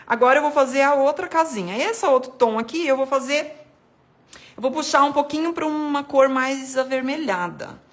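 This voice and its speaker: A woman's voice: high voice, expressive, moderate pace. Chatty woman teaching watercolor. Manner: chatty, addresses viewers as "gente", points things out while painting. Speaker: art devotional host. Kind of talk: casual watercolor painting tutorial.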